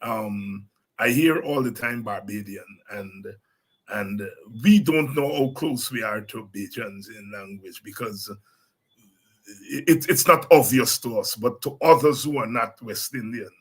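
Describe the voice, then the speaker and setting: A Guyanese man hosting a political talk show, speaking in a relaxed, animated way with laughing asides and frequent restarts. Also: lowish voice, a little slow, husky. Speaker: host. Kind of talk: casual political commentary.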